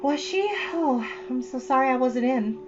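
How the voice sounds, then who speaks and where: A woman's voice: high voice, normal speed, dull audio, over music, pitched above the performer's own voice, close to an everyday voice. A woman voicing a chatty, earnest thirteen-year-old girl from a storybook, rambling with solemn drama. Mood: dreamy, eager. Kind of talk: storybook character reading.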